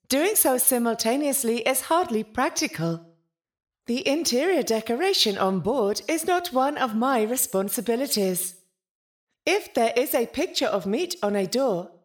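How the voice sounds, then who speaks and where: A woman playing a prim, evasive, literal-minded ship's intelligence in a science-fiction audio drama, speaking with dry, formal politeness. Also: fairly high pitch. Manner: formal, pedantic, dryly polite.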